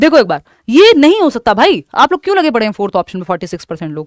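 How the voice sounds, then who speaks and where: A woman's energetic, very fast speech with very wide pitch swings, in a dry, close sound with no echo. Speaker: online teacher for exam preparation. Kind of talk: live online class. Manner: energetic, effortful delivery.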